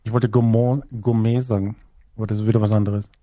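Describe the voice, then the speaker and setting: A man's voice: on the low side, flat delivery, quick pace, dark tone, dry recording. A man chatting casually in a jokey, playful way. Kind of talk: casual banter.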